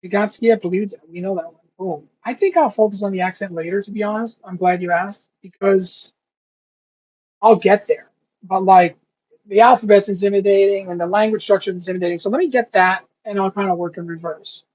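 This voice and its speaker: A young man with a husky, slightly breathy voice talks to himself while studying, drifting between chatty asides and slow, careful attempts at new words. The sound is dull and lo-fi, like a cheap home setup. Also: high-pitched, fairly even intonation, a little mellow. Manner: rambling, thinks aloud, sounds out foreign words slowly. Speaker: language learner vlogger. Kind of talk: casual self-talk while studying. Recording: dull lo-fi recording.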